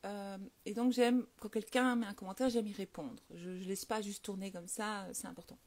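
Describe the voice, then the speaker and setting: A woman's voice: mid-range voice, moderate pace. A woman with a French accent hosting a casual live stream, answering viewer comments, laughing often and filling her talk with little hesitations. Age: adult with children. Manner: lively, laughs often, many fillers. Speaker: host of a live stream on the law of attraction.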